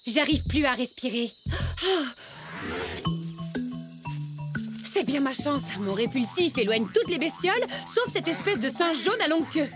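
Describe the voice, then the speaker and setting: A woman voicing an exasperated, haughty female scientist explorer in an animated series, complaining indignantly and theatrically. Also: high voice, normal speed, music in the background. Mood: flustered, grumbling.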